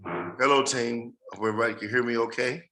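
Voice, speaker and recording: A man's voice: mid-range voice, a little fast, pushed and bright. A man losing his voice, giving a rambling casual update to a team on a group call. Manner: rambling, repeats phrases. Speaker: project leader giving updates.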